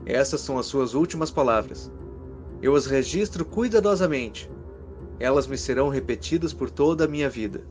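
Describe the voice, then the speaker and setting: A man's voice: medium pitch, lively intonation, normal speed, darkish tone, soft background music, lightly acted. Horror story villain: male narrator as cold man, dry, commanding, threatening delivery. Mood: cold, resolute. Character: cold, menacing man, a vengeful jealous husband with revolver.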